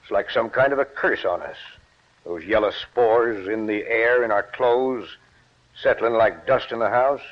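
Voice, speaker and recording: A man's voice: on the low side, measured pace, close to an everyday voice. An actor playing a weary middle-aged wheat farmer talking to his son in a 1940s radio play, with plain country grammar. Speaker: farmer and father. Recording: muffled old radio recording.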